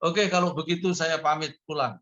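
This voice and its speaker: Pastor guy, slightly high voice, muffled lo-fi call audio, tells stories and plays the people in them. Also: fairly even intonation, normal speed, fairly bright tone. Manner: storytelling, acts out a man pleading in a high voice. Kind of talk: sermon over video call.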